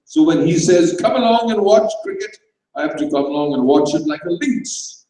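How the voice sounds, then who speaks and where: Man as dithering posh young chap, high, echoey. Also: animated, normal speed, mellow, natural voice. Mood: sheepish. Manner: stammering, hesitant, politely evasive. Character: timid, dithering, lovestruck young upper-class Englishman. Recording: roomy echoing hall, distant microphone.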